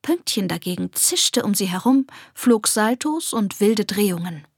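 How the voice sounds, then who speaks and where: A woman narrating a children's fantasy story softly and expressively, often dropping to a whisper. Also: mid-range voice, lively intonation, a little slow, husky, no room sound, clean studio sound. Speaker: audiobook narrator.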